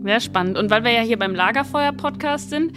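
A woman's voice: fairly high pitch, animated, fairly quick, over music. A woman hosting a trade fair podcast, asking her guests questions in an upbeat, prompting way. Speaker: podcast host.

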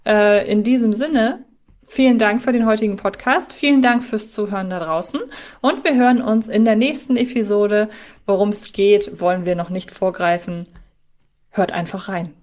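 A woman's voice: medium pitch, normal speed, a little mellow. A woman co-hosting a casual podcast, wordy and often rephrasing herself with playfully formal phrases. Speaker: podcast co-host.

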